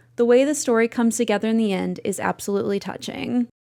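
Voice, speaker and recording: A woman with a normal speaking voice, fairly high in pitch, talks at a fairly quick pace. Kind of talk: amateur video voice-over, list commentary. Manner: casual, conversational.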